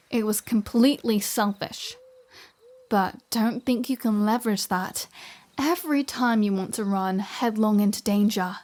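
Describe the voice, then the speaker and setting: A woman's voice: fairly high pitch, darkish tone, lightly acted. A woman playing a flirty, self-serving vampire in a scripted audio roleplay, speaking to the listener in a teasing, wry, conversational way. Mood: exasperated, reluctant.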